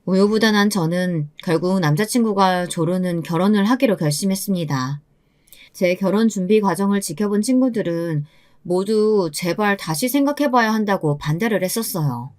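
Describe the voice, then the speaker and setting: A woman in her twenties narrates her own story in a scripted, first-person way. Her voice sits in a middle pitch. She sounds confiding and a little lamenting. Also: normal speed, a little mellow. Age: 20s.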